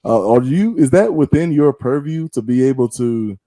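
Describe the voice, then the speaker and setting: Playful man hosting, mellow voice. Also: medium pitch, normal speed, no echo. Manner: playful, teasing, animated questions. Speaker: podcast host. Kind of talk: casual interview chat.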